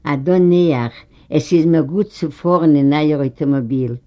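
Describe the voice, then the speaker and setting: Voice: mid-range voice, a little slow, natural voice. A reader voicing a shy, eager young woman. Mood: earnest. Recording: dull lo-fi recording.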